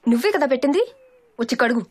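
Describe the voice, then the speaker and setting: An actress playing a wary, irritable young bride in a film, blunt and grumbling. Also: female voice, high voice, animated, fast talker, slightly rough. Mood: irritated. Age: young adult. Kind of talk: film dialogue, Telugu mixed with English.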